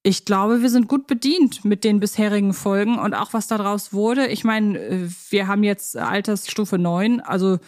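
A woman's voice: mid-range voice, normal speed, few pauses, a little mellow. A woman hosting a podcast in a casual, conversational chat style. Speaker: podcast host.

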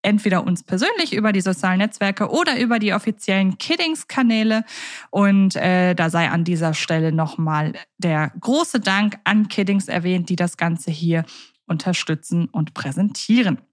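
A woman's voice: lowish voice, moderate pace, no room sound, clean studio sound. A woman co-hosting a podcast in a conversational style, phrasing things in a wordy, careful way. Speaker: podcast host.

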